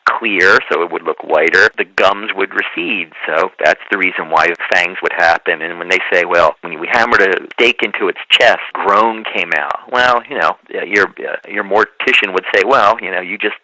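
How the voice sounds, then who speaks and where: Male guest explainer: low, forceful voice, dry close sound, conversational, voices imagined quotes as he goes. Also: normal speed, few pauses, no echo, low-quality recording. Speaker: guest historian. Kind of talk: conversational explanation of history and science.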